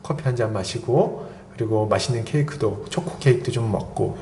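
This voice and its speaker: A male pastor preaching an expository sermon, animated and acting out little dialogues. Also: on the low side, fairly quick, slight background noise. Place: church sanctuary. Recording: echoey church hall.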